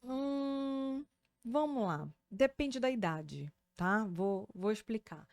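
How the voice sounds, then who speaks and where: A Brazilian-accented woman speech therapist talks through her topic like a patient teacher, animated and sure of herself. Her voice sits a touch high, and the recording is dry and close. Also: slow, no echo. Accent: Brazilian Portuguese. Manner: didactic, animated, checks in with "né?" and "tá?". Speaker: speech therapist and podcast host. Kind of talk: explanatory podcast conversation.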